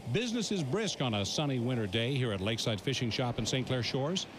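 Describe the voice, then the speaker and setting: A man's voice: mid-range voice, animated, a little fast, very noisy. An American man narrating a scripted TV news feature as a reporter, with dramatic, emphatic storytelling.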